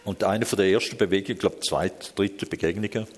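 Swiss german guy, low voice, talks blunt and emotional, hall echo. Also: steady tone, fairly quick, slightly rough. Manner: candid, blunt, emotional storytelling. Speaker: interviewee. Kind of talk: personal life story in an interview.

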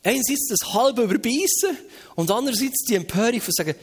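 With a very high-pitched voice and a brisk delivery, a Swiss German-accented man tells a Bible story in a lively sermon, animatedly playing the crowds and bystanders. The recording is very noisy.

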